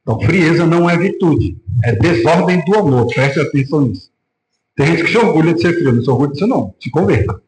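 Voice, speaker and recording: Brazilian pastor guy preaching, kinda high voice, lots of room echo. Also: fast talker, a little hiss or hum. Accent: Brazilian Portuguese. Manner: animated preaching, acting out quoted voices. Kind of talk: sermon. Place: church hall. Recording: echoey church room.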